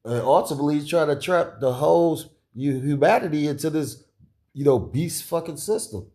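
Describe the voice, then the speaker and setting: Rambling man with a dark, deep voice. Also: a little fast. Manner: rambling, many restarts and fillers, chuckles often. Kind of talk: casual conspiratorial chat.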